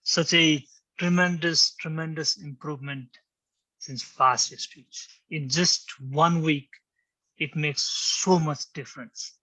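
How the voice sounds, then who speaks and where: A man's voice: on the high side, steady tone, slow, pushed and bright, poor audio. A man hosting a speech practice session, speaking in an encouraging, emphatic way and repeating key phrases.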